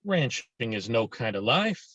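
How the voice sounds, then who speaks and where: A man's voice: medium pitch, very animated, a little slow, fairly bright tone, dry recording, highs cut off. A man acting a proud, domineering father who presses his son, in a table read of a drama script. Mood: stern, insistent. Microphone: video call microphone.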